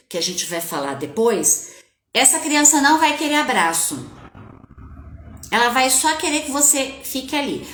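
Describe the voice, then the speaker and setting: Woman coach, conversational live talk to viewers, higher voice with lively swings, roomy echo. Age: adult with a child. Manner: animated, conversational, addresses viewers directly. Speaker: parenting coach. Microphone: webcam or phone on a live stream. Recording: echoey room.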